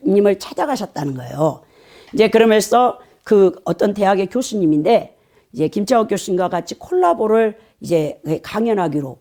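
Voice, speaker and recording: Animated woman preaching a sermon. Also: medium pitch. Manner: animated storytelling with "eh?" asides. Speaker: pastor.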